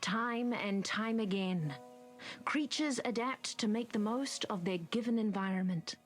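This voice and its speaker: A woman giving scripted, documentary-style narration for a video game intro, measured and solemn. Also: medium pitch, faint music behind, natural voice.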